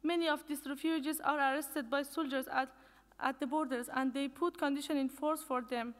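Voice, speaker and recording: High-voiced young woman speaking in a hall. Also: fairly even intonation. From Iran. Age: young adult. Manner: measured, earnest, reads from notes with restarts. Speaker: conference speaker. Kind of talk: prepared speech. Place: conference hall. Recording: long reverb of a lecture hall.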